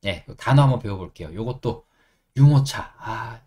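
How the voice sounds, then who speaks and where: Lively Korean man teaching English. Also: mid-range voice. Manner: explains step by step, repeating phrases slowly. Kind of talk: English lesson on a livestream.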